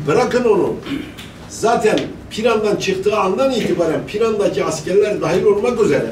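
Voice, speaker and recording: There is noticeable background noise and audible room echo as a man with a high pitch speaks with ordinary pitch variation. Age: 60s. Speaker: historian, invited speaker. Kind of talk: panel talk Q&A. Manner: animated.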